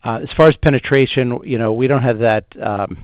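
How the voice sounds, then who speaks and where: A man answering analysts on an earnings call as a finance executive, in a halting, measured way. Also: medium pitch, dry recording. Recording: muffled conference call audio.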